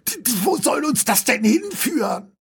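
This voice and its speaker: A man doing mock-earnest, rambling satire in a deadpan manner. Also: very high-pitched, moderate pace, a little hiss or hum. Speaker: satirical comedian. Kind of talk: mocking parody of interviews.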